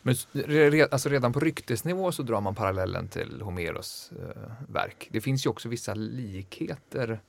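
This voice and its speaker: A man's voice: medium pitch, lively intonation, gravelly, few pauses, no echo. A man hosting a podcast discussion, curious and asking his guests questions. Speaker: host.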